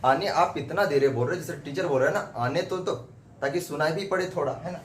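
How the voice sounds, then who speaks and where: A man's voice: on the high side, fairly quick. A man giving a whiteboard grammar lesson who keeps asking questions and answering them himself, repeating points. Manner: repetitive, asks and answers his own questions. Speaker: English grammar teacher. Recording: echoey room with faint background noise.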